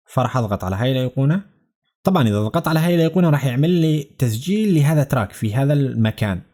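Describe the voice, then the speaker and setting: Fast-talking man with a Levantine Arabic accent. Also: medium pitch, mellow. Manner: conversational, explanatory, addressing viewers directly. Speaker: software tutorial instructor. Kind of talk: instructional screencast narration, step by step.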